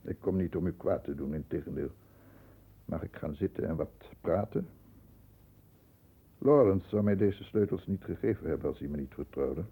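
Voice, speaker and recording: An actor playing a composed, protective lawyer in a 1960s radio play, speaking formal, measured Netherlands Dutch. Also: male voice, deep voice, vocal fry, dark tone, breathy edge, heavily acted. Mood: tense, hushed narration. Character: composed middle-class lawyer, protective older brother, narrating. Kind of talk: 1960s Dutch radio play, first-person narration and dialogue.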